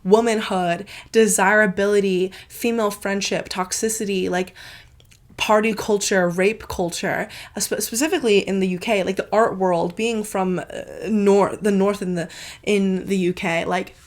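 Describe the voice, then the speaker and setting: A woman's voice: medium pitch, steady tone, moderate pace. A congested woman hosting her book channel, gushing in a casual, filler-heavy review with plenty of swearing.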